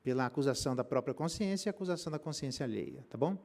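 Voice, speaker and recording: A middle-aged Brazilian pastor preaching a Bible exposition, telling stories with colloquial slang and rhetorical questions. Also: male voice, medium pitch, expressive, fast, vocal fry, darkish tone. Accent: Brazilian Portuguese.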